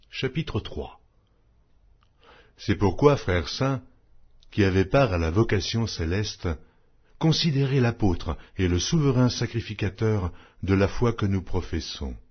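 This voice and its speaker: Male scripture narrator: husky voice, widely varied intonation, solemn scripted delivery, slightly dull lo-fi sound. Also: lowish voice. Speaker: audiobook narrator reading scripture. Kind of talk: scripted Bible reading. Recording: dull lo-fi audio.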